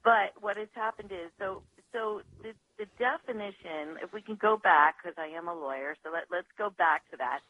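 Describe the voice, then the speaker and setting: A woman lawyer, a guest on a radio show, talking over the phone in a measured, analytical way with some hesitations. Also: on the low side, pushed and bright, no room sound. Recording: dull phone line, dry.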